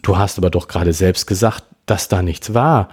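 A man voicing a caring, teasing teenage brother in a story, in a low, husky voice. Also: normal speed. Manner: gentle, teasing.

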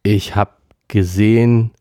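A man's voice: lowish voice, expressive, unhurried, a little mellow, no echo, studio quality, pitched above the performer's own voice. A man reading an audiobook, voicing a devoted manservant who talks in a breathless, stammering way. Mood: strained. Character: loyal, devoted male manservant, exhausted.

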